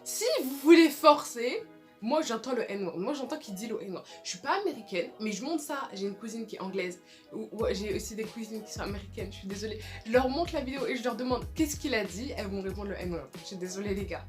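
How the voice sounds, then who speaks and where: A woman's voice: on the high side, lively intonation, a little fast, soft background music. A young woman giving casual, emphatic commentary in a vlog, repeating her points and often saying sorry. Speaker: video creator.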